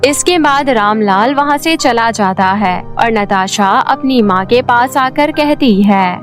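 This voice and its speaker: A woman narrator reads a scripted bedtime tale. Her voice is high, with light music underneath. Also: lively intonation, slow.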